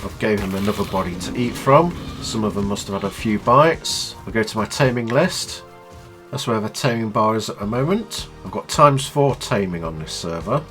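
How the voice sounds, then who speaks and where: A man with a stuffy nose from a cold, explaining a video game in a chatty, low-key tutorial. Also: expressive, normal speed, fairly bright tone, soft background music. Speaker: gaming channel host.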